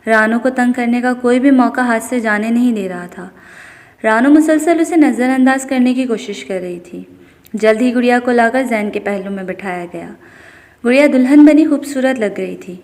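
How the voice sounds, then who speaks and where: A woman narrating a romance novel in a steady storytelling manner. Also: on the high side, big-room sound. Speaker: audiobook narrator.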